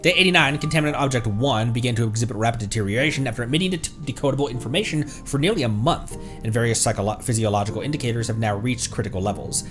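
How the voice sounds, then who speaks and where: A male VTuber hosting a livestream reads a game's text out loud and reacts casually, now and then tripping over words and fixing them. His medium-pitched voice is fairly bright and moves very fast with few pauses. Faint music plays behind him.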